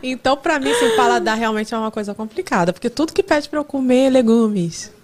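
A woman's voice: a little high, expressive, quick pace. A young woman, a podcast guest chatting in a self-mocking, storytelling way. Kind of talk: casual chat.

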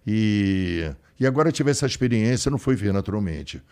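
A man from Rio talking as a guest in a casual interview, rambling warmly with many restarts. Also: fairly low pitch, animated, a little fast, smooth. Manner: warm, rambling, affectionate storyteller with frequent restarts.

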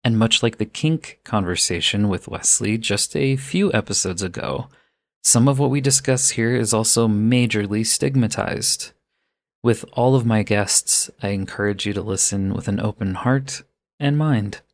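A man's voice: fairly low pitch, unhurried, no room sound. A man hosting a podcast, reading an upbeat intro and then interviewing a guest, laughing easily. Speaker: podcast host.

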